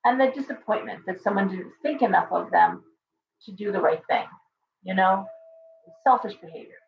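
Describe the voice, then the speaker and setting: A woman hosting a casual tarot livestream, chatty and hoarse, thanking viewers by name as she reads the cards. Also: medium pitch, animated, normal speed, far from the mic, slight background noise. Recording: dull, roomy livestream audio from off-mic.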